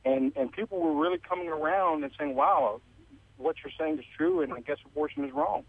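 A man's voice: on the high side, a little fast, vocal fry, breathy edge, dry recording. A male caller speaks on a radio phone-in. His voice comes through a thin, tinny phone line and sounds dry and close, and he lays out his view steadily. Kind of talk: phone-in call.

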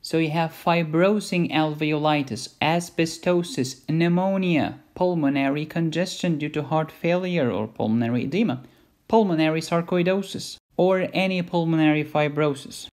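A man's voice: a little high, moderate pace, darkish tone. A man giving an informal medical lecture in a playful, blunt and emphatic way. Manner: playful, blunt, emphatic teaching with mild cursing.

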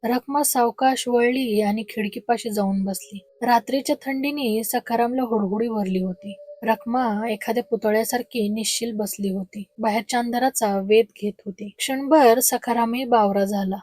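A female storyteller reading a horror story with slow, suspenseful narration. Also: on the high side, dark tone, no room sound.

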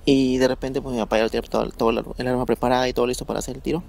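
A man telling a true story in a casual, halting way, often repeating words as he remembers. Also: mid-range voice, little pitch movement, gravelly, darkish tone, a little hiss or hum. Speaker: guest storyteller.

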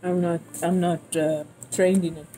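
A woman's voice: fairly low pitch, level tone, measured pace, mellow. A woman chatting casually with a friend, direct and questioning, ready to challenge what she hears. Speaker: interviewer, friend in conversation. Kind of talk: casual conversational back-and-forth. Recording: clear outdoor ambient noise.

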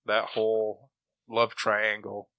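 A man co-hosting a podcast, chatting casually in an animated, opinionated way. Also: on the low side, takes it slowly, no room sound, poor audio. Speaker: podcast co-host. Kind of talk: casual chat about comic books and old radio shows.

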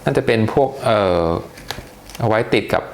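Male tech reviewer, low gravelly voice, chatty unboxing, faint hiss behind. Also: fairly even intonation, moderate pace. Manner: chatty, hesitant, lots of polite particles.

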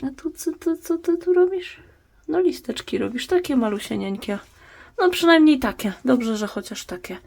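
A woman's voice: high voice, expressive, moderate pace, vocal fry, darkish tone. Chatty woman cooing at houseplants. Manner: chatty, talks tenderly to her plants. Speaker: plant-care vlog host. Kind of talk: casual talk while tending plants. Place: indoors at a home grow box.

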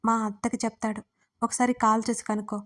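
A woman's voice: fairly high pitch, little pitch movement, quick pace, lightly acted. A woman voicing a distraught anxious young woman. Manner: urgent, pleading.

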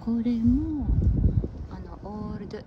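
A Japanese woman hosts a casual live-stream while walking windy city streets outdoors, switching between English and Japanese and answering viewers' chat. Her mid-range voice is lively in intonation and a little slow, with the highs cut off. Loud wind and street noise fill the recording.

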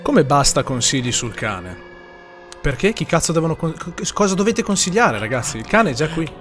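A man's voice: fairly high pitch, sing-song, normal speed, fairly bright tone, soft background music. A young man streams a horror game, jittery and swearing as he talks to chat. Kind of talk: horror game let's play.

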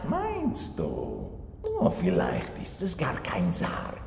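An actor playing a grandiose, gloating mad cultist doctor with theatrical, menacing phrasing in a horror audio drama. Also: male voice, medium pitch, creaky, a little hiss or hum, full character voice. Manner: theatrical, drawn-out menacing phrasing, swinging from whispers to shouted incantation. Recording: reverberant hall, music behind.

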